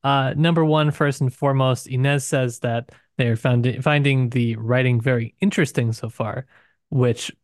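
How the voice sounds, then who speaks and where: A man's voice: mid-range voice, steady tone, normal speed, no echo. Man discussing literature, dry close recording. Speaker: podcast co-host.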